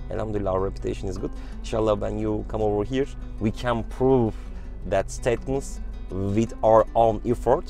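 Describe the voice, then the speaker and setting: Faint music sits in the background while the voice moves at a moderate pace in a dry sound with no echo. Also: man. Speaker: real estate agent vlogger. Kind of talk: casual vlog chat. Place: car. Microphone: lapel.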